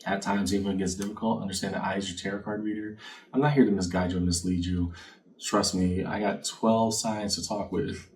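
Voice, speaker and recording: A man's voice: low voice, fairly even intonation, a little fast. A man giving a conversational fortune-teller card reading, reflective and speaking straight to the listener with rhetorical questions. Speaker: tarot card reader, channel host. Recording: distant mic, faint background noise.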